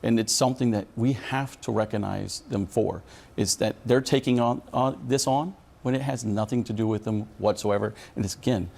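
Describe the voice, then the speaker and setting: A man's voice: lowish voice, normal speed, gravelly, darkish tone. A middle-aged American man answering news interview questions as a union leader, speaking earnestly and emphatically. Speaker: union leader representing air traffic controllers.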